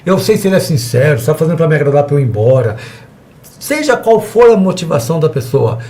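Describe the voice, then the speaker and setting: A man's voice: on the high side, sing-song, fast talker, warm tone. A man teaching a church evangelism class in a conversational way, acting out little dialogues with the people he talks to. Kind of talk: church seminar lesson.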